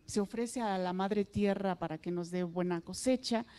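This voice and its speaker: A Mexican woman whose first language is Mixtec, a singer answering interview questions softly and hesitantly with many fillers. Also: medium pitch, moderate pace, smooth. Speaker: singer guest. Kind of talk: interview answers and folk singing.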